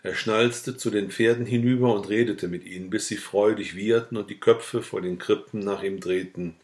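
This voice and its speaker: Low-voiced man reading a novel aloud. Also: steady tone, moderate pace. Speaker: audiobook reader.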